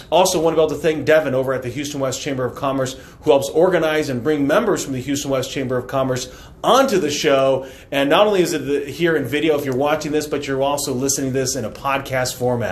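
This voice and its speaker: In a room with audible echo, a man speaks very fast in a fairly high pitch with fairly even intonation. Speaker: talk show host. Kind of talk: video podcast host intro. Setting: studio. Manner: loud.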